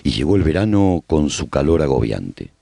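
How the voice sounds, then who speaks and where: A man playing a survivor who calmly narrates life in a post-apocalyptic colony for a radio drama, reflective and husky, with pauses. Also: rumbling low, no room sound, faint music behind, heavily acted. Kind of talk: scripted first-person radio drama narration.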